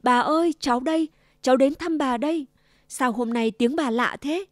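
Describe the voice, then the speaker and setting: Woman playing Little Red Riding Hood, sweet and high. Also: animated, moderate pace, no echo, studio quality. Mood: innocent. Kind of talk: storybook reading.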